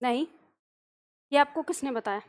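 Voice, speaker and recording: A woman's voice: high voice, moderate pace. A woman teacher patiently explaining a lesson to her students, often checking that they follow along. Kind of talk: classroom lesson.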